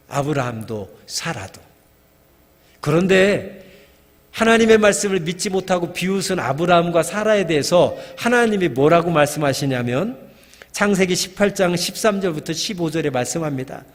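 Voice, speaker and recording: A middle-aged male pastor preaching a sermon in a church, posing questions to the congregation and acting out quoted lines. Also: fairly high pitch. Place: church sanctuary. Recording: long church hall reverb.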